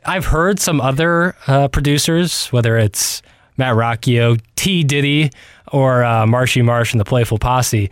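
A man's voice: medium pitch, a little slow, clear, resonant tone, dry recording. Male co-host for casual sports talk; mock-earnest, self-effacing, recorded tight and dry. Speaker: radio producer and co-host. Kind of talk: casual sports radio banter. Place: radio studio. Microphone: close studio microphone.

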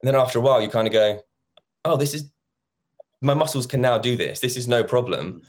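A man's voice: medium pitch, fairly quick. A man in his thirties, a musical theatre actor chatting as an interview guest and acting out past conversations. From England. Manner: chatty, acts out quoted conversations. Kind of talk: casual interview chat.

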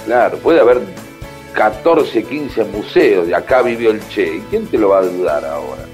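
A man with an Argentine accent hosting a radio show, joking wryly and asking quick questions. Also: fairly low pitch, very animated, over music. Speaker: radio host. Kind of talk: casual radio chat.

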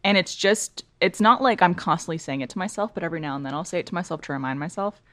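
A woman in her thirties from Canada, hosting a casual chat podcast, explaining things in a relaxed, thoughtful way. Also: on the low side, fast talker, no room sound. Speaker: host.

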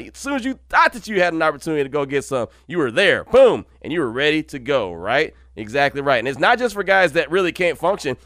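A man's voice: high voice, a bit bright, dry recording, clean studio sound. A man in his early forties hosting a sports podcast, chatty and slangy, speaking casually and directly to his listeners. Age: early 40s. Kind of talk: casual solo podcast talk with host-read ads.

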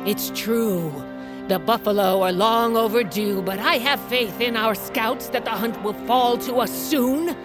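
An imperious tribal queen of a wolf clan, played by an actress, with a fairly high voice. She is stern and formal, declaiming every line like a ruler in a fantasy audio drama, with clear music behind her. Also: unhurried, lightly acted. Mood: rousing oration.

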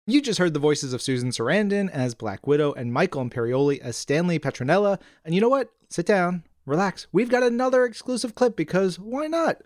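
A man's voice: sits high, big pitch swings, a little fast, few pauses, a little mellow, dry recording, studio quality. A man co-hosting a podcast, enthusiastic and playful as he announces promotions and banters. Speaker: podcast co-host.

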